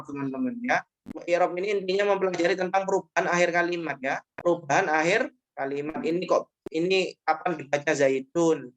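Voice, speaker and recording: A man with a slightly high voice teaches grammar in an online class, explaining patiently and repeating each point with short checking tags.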